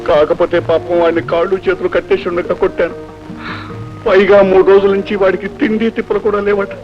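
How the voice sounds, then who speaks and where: An actor playing a jovial, talkative middle-aged police constable who teases and laughs easily, in an old film scene. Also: male voice, high-pitched, little pitch movement, fast talker. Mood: bantering. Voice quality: chatty, teasing, laughing easily. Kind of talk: 1970s Telugu film acting. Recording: dull old film soundtrack with music.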